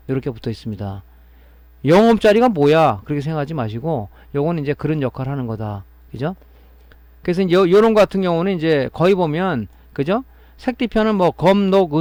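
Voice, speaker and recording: A man's voice: fairly high pitch, a little mellow, dry recording. Man lecturing on circuit repair. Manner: explaining step by step, often adding a tag question to check understanding. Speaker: electronics repair instructor. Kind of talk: classroom-style technical lecture.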